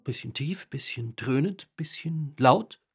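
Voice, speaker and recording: Male hiker in a radio play, very husky breathy voice, skeptical, grumpy, blunt. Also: mid-range voice, expressive, a little slow, dry recording, clean studio sound, exaggerated voice. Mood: puzzled. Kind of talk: scripted audio drama dialogue.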